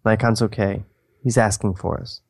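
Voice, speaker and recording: A man's voice: lowish voice, fairly even intonation, normal speed, gravelly, breathy edge, dry recording, studio quality. A man playing an anxious, loyal teenage boy in an amateur screenplay read, earnest and plain-spoken. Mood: anxious, subdued.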